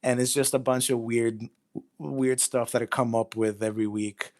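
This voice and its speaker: A man's voice: medium pitch, fairly even intonation, normal speed. A man speaking as a guest writer in a casual interview, modest and self-deprecating about himself.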